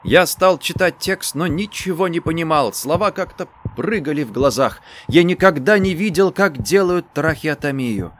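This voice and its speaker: A man reading a first-person story aloud in a subdued, low-key manner. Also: expressive, moderate pace, few pauses, fairly bright tone, a little hiss or hum. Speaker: narrator. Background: faint music.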